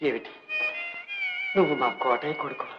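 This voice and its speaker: A man's voice: a little high, wildly swooping pitch, moderate pace. An actor playing a broken, tearful old man, a fallen millionaire stricken with leprosy, in an old film melodrama. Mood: broken despair. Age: older. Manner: choked, grieving and self-pitying. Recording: dull old film soundtrack with faint music.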